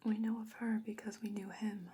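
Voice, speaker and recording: A woman as a breathy, whispering fantasy potion maker. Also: medium pitch, flat delivery, normal speed, warm tone, natural voice. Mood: guarded, reminiscing. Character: calm, knowing fantasy woman, secretive potion maker, wary. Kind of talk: soft-spoken ASMR fantasy roleplay.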